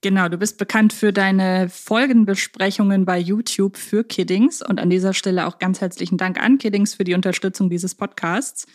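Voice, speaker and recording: A woman's voice: medium pitch, fairly even intonation, normal speed, few pauses. A woman co-hosting a podcast in a casual, humorous, chatty style. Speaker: podcast host.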